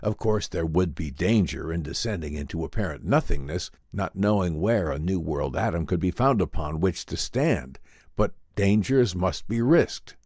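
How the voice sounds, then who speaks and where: A man puts on a learned male professor with a low voice and animated intonation. He explains things formally and earnestly, choosing his words with deliberate care, in the manner of an old-time radio drama. The sound is close and dry. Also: breathy edge, no echo, heavily acted. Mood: grave, cautious.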